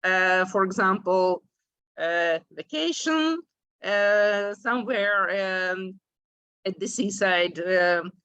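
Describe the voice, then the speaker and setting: A woman's voice: medium pitch, pushed and bright, smooth, no room sound, muffled recording. A woman in her forties from Ukraine, a native Russian speaker, giving a conference presentation in English with many hesitant "uh"s. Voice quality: frequent hesitations, many drawn-out "uh"s. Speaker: symposium presenter, English teacher.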